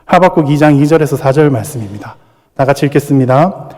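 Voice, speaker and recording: Korean preacher in a reverberant church. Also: male voice, mid-range voice, animated, fast, a little mellow. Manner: acts out the prophet's pleading and arguing in raised voice. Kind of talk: sermon. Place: church sanctuary. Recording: long hall reverb.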